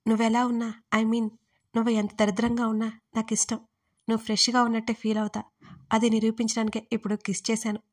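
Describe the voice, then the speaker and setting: Bossy, possessive young man, teasing and fast, as a woman storyteller puts him on, fairly high voice. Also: completely flat delivery, lightly acted. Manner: teasing, then threatening.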